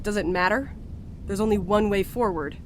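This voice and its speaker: Sardonic postmaster played by a woman for audio drama: blunt, weary, casual, medium pitch, light outdoor night ambience. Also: moderate pace, a little mellow, a little hiss or hum, lightly acted. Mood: resigned. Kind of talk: scripted audio drama acting. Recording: faint outdoor cricket ambience. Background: crickets and night sounds.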